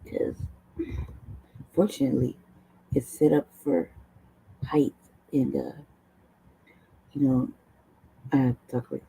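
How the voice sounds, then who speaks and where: A woman host with a low, hoarse voice, chatting casually at a desk mic, rambling, laughing often and swearing. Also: sing-song, slow, long pauses, dark tone, a little hiss or hum, rough recording. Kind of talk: casual livestream talk.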